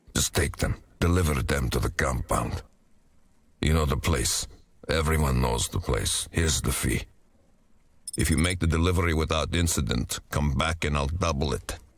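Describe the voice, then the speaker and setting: A man puts on a character voice with a very deep, low pitch. He speaks at a moderate pace, with long, frequent pauses. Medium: video game. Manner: breezy, insistent.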